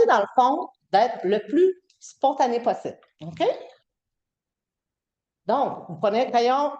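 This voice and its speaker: A middle-aged woman with a Québécois French accent teaches a university class, chatty and full of fillers and restarts. Her voice is mellow and relaxed. The room around her is echoey. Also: on the high side, lo-fi sound. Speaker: guest lecturer. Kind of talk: classroom lecture.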